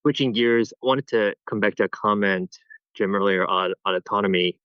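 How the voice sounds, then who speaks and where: Muffled call, halting low-voiced man. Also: clear, resonant tone, dry recording. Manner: halting, stumbling over words. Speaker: financial analyst asking questions. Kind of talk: earnings call question. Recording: dull conference-call audio.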